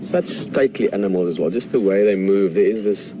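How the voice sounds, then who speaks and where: A man's voice: deep voice, a little fast. Safari guide, South African man, Afrikaans first language, chatty and keen, outdoor noise with birds and engine behind. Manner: enthusiastic, chatty, answering viewer questions. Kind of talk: live safari commentary. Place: outdoors, open game-drive vehicle in the bush.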